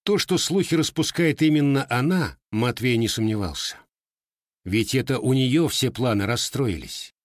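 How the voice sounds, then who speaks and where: A man reads a novel aloud as narrator, in a measured, even manner at a middle pitch. The recording is dry, with no room sound. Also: no echo. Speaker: audiobook narrator. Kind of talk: scripted narration.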